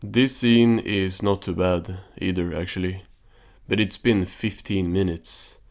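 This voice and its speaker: A man's voice: sits low, steady tone, unhurried, a little mellow. A man recapping a cartoon as host, in a casual, understated, offhand way.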